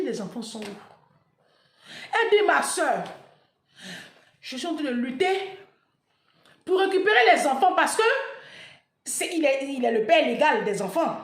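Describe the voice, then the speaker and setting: High-voiced woman telling an emotional story. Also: roomy sound. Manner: dramatic retelling, acts out dialogue. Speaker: vlogger.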